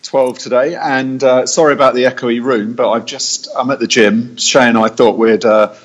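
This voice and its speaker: A man's voice: mid-range voice, fairly even intonation, normal speed. A man hosting a casual technical podcast, talking in a conversational, explanatory way from an echoey meeting room. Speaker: podcast host and audio engineer.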